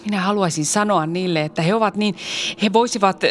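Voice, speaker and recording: A woman's voice: medium pitch, a little hiss or hum, natural voice. A woman playing a grieving, fearful follower of Jesus, anguished and often whispering.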